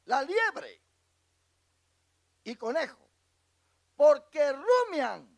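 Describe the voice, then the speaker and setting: A man's voice: extremely high pitch, very animated, drawn-out words. A male pastor teaching a Bible class, reading verses aloud and asking the congregation questions for them to answer. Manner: asks the congregation questions and lets them fill in words; reads scripture verses aloud and explains them.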